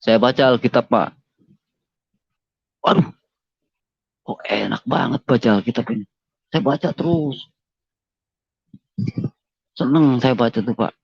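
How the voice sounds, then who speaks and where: A man's voice: mid-range voice, measured pace, gravelly, long pauses, breathy edge, dry recording. A man giving an emotional personal testimony in an interview, earnest, repeating himself and politely addressing his listener as sir. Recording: dull lo-fi dry recording.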